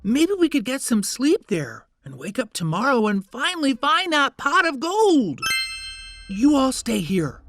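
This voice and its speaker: Storybook boy adventurer, played by a woman: cheerful, eager, lively intonation, unhurried pace, light music underneath. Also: high-pitched, exaggerated voice. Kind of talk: children's storytime character acting.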